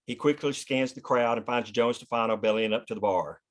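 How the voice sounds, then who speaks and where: A man's voice: medium pitch, fairly quick. A man reading stage directions as the narrator of a screenplay, in scripted narration.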